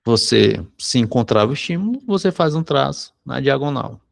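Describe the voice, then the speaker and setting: A Brazilian man, a psychology teacher, telling a personal anecdote in a conversational lesson, often tagging sentences with a quick question. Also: medium pitch, animated, vocal fry. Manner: conversational, frequent tag questions. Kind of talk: anecdote told in a recorded lesson.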